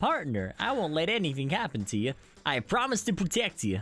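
A man puts on a character voice with a fairly high pitch. He moves quickly, at a fairly quick pace, with very wide pitch swings. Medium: game stream. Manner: folksy. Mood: protective, earnest.

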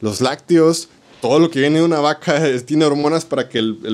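A man with a fairly high pitch talks at a fairly quick pace. His tone is animated, with ordinary pitch variation. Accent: Mexican. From Mexico. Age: 20s. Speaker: vlogger. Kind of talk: tutorial. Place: home room. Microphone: studio mic.

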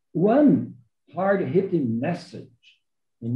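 Somewhat breathy and at a very slow pace, a man with a Brazilian accent moves through very wide pitch swings amid audible room echo. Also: quiet background. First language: Portuguese. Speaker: panel moderator, mining sector executive; panel moderator. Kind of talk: panel moderation; webinar moderation, asking questions. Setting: video call. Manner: halting. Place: home room.

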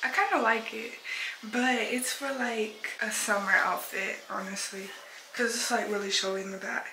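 Speaking at a moderate pace with fairly even intonation, a woman is heard over noticeable background noise. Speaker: fashion vlogger. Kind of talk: casual vlog chat. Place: home room.

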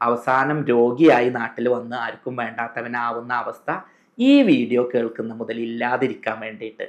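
A man talks with fairly even intonation at a medium pitch in an ordinary speaking voice against a quiet background. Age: 30s. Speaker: homeopathic doctor. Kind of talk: health advice talk to camera.

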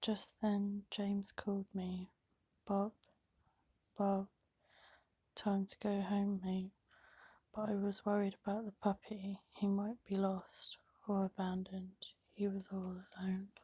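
Soft-spoken, very slow speech with long, frequent pauses over a quiet background. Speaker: reader of a children's book. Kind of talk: reading a story aloud. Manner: soft, hushed ASMR storytelling voice. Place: home room. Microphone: phone near.

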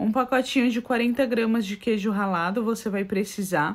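A woman's voice with ordinary pitch variation. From São Paulo, Brazil. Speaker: cooking youtuber. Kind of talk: cooking tutorial. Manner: chatty, informal. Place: kitchen.

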